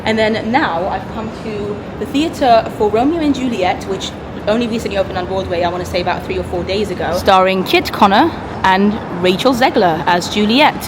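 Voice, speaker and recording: A woman's voice: medium pitch, moderate pace. A woman chatting casually to camera for her vlog, rambling a little with restarts, out on a busy city street. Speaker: theatre vlogger. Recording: loud street traffic noise. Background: traffic and city sounds.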